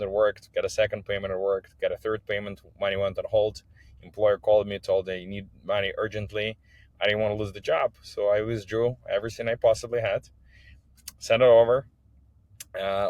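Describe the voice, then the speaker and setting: A man's voice: fairly low pitch, no echo, dull audio. A man from Kazakhstan, an English speaker telling his personal story as a podcast guest. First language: not English. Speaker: podcast guest, business owner.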